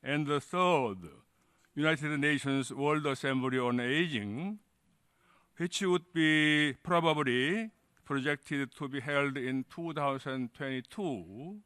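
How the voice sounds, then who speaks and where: Man, slow halting delivery, bright tone, formal delegate at a panel, conference hall. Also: a little high, smooth. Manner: halting, many uh fillers, formal. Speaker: delegate asking a question.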